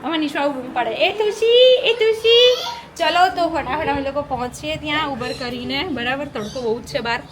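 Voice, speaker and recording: A woman's voice: high-pitched, a little fast, few pauses, a loud crowd. A young woman and mother chatting casually to her viewers in a vlog, often checking in with them as she talks. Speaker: family vlogger and mother. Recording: noisy phone vlog recording.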